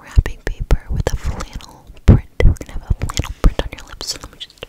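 A young woman in a whispered role-play for ASMR, speaking slowly and soothingly very close to the mic, often repeating her phrases. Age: young adult. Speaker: ASMR creator. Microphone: close desk microphone.

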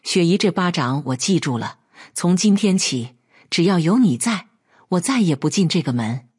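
A woman voicing an indignant, sharp-tongued young wife who scolds her selfish father-in-law in a read-aloud story. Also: lowish voice, animated, normal speed, husky.

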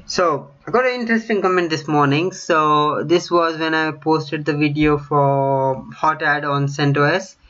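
Indian-british accent guy in his 30s, chatty with lots of ums, slightly high voice, muffled webcam audio at home. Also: steady tone, unhurried, few pauses, fairly bright tone. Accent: Indian with British mix. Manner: chatty, many ums and self-corrections. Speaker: tech YouTuber. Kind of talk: casual screen-share vlog reading comments. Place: small room at home, indoors.

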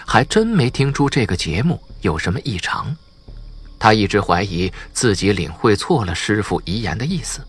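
Husky, expressive male audiobook narrator. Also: lowish voice. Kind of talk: scripted narration of a suspense crime novel.

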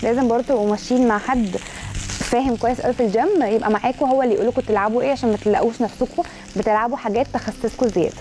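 A woman's voice: on the high side, fairly even intonation, racing, noisy background. A woman with an Egyptian Arabic accent, a food blogger giving chatty cooking and health advice in a kitchen, rattling along and stacking up intensifiers.

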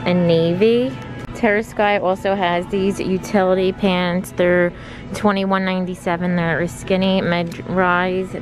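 A woman filming herself shopping for clothes in a large store, describing each item slowly, from a handheld phone. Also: fairly low pitch, rough recording. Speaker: fashion vlogger. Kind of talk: shop-with-me narration. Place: large retail store, indoors. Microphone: handheld phone filming the racks.

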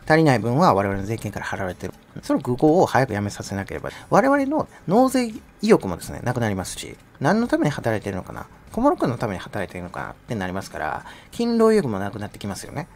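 A man's voice: medium pitch, slight background noise. A middle-aged man giving sarcastic, mocking commentary in a casual, conversational way.

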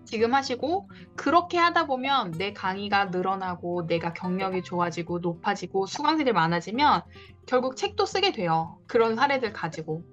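A woman's voice: medium pitch, expressive, normal speed, a bit bright. A woman in her thirties giving encouraging advice as a coach in a one-on-one online session. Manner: encouraging, advising. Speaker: coach for independent lecturers. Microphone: video call. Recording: dull lo-fi video call audio. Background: faint guitar music.

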